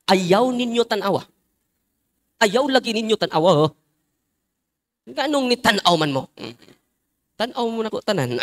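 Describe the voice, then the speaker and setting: A Catholic priest giving a humorous sermon, teasing the congregation and telling stories. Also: male voice, on the high side, fairly bright tone. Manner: jokey, teasing the congregation, mixing in English phrases.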